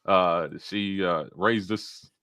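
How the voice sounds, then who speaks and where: A man with a bright, forceful voice co-hosts a casual sports show. He is chatty and enthusiastic, and the sound is close and dry. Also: deep voice, steady tone, takes it slowly, smooth, no echo. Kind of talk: casual sponsor read and banter.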